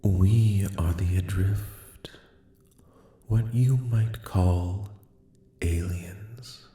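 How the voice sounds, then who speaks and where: A man voicing a calm, courteous alien collective in a soft-spoken ASMR roleplay, speaking in slow, formal, reassuring phrases. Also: on the low side, soft background music. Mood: calm, solemn. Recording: echoing, reverberant voice.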